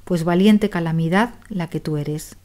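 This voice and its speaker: A woman's voice: on the low side, a little slow, warm tone, lightly acted. A woman voicing an older merchant who curses and threatens his slave in an audiobook tale. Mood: furious. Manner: cursing, threatening. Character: furious rich merchant master, older man.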